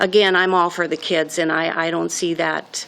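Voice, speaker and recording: The speaker goes at a fairly slow pace. Noticeable background noise runs under the voice. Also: woman. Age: 70s. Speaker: resident speaking at council. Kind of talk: public comment at council meeting. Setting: city council work session.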